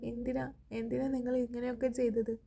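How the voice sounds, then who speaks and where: A woman's voice: a little high, completely flat delivery, quick pace, gravelly, warm tone, a little hiss or hum. A woman reading an earnest, tearful young mother. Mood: emotional. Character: young woman, devoted foster mother, emotional.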